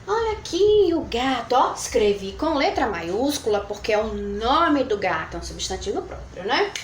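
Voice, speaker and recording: A woman teaching a recorded review lesson to children, counting syllables slowly and using sweet diminutives. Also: fairly high pitch, big pitch swings. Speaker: primary school teacher. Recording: echoey room, faint background noise.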